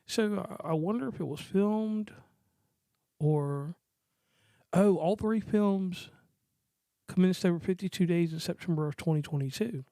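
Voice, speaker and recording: A man's voice: high-pitched, a little slow, long pauses, mellow, no echo, studio quality. An American man hosting a movie review podcast in casual, slangy chat, rambling and joking as he goes. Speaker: podcast host.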